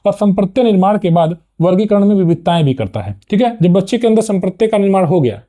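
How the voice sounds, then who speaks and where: A man's voice: high-pitched, animated, quick pace, mellow. A young adult man teaching a lesson in a spoken explanatory style, often adding a checking "ठीक है" and restarting words as he explains. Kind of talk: explanatory lecture.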